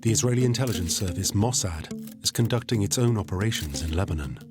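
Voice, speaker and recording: Low-voiced male documentary narrator. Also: animated, fast, over loud music. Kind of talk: scripted narration.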